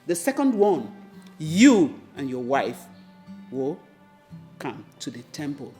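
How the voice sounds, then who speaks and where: A domineering middle-aged mother, played by an actress, scolds in a slow, deliberate drawl that swings widely up and down. Her voice sits a little low for a woman. The room is echoey, with faint music underneath. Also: sing-song, dark tone, exaggerated voice. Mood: lecturing. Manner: scolding, bossy. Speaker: actor. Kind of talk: melodrama acting.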